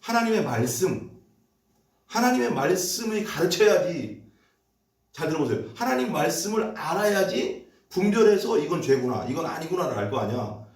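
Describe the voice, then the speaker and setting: A man's voice: medium pitch, darkish tone. A male pastor giving a conversational sermon, now and then acting out the voices of animals. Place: church sanctuary. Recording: echoey church room, mic at a distance.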